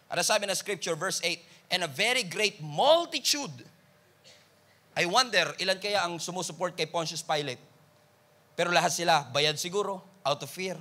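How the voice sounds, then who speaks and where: Male Filipino pastor, high and crisp-edged with gravel in the voice, full sermon delivery. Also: pushed and bright.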